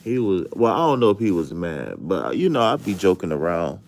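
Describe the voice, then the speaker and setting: A man's voice: sits low, very animated, fairly quick, a little mellow. A man streaming a casual chat as a tarot reader, telling stories with jokes and plenty of profane slang. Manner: joking, storytelling, profane slang.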